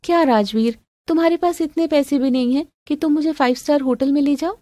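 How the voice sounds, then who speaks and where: Lady doing spoiled whiny young girlfriend, high pouty voice, dry sound. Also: brisk, dark tone, no room sound, lightly acted. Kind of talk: melodramatic audio story acting.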